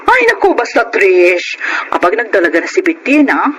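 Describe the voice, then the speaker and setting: A man acting a flamboyant, campy gay best friend in a Filipino radio drama, with animated, effusive banter and a Filipino accent. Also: sits high, moderate pace, slight background noise, full character voice, poor audio. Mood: playful, gushing. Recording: music bed under the voice.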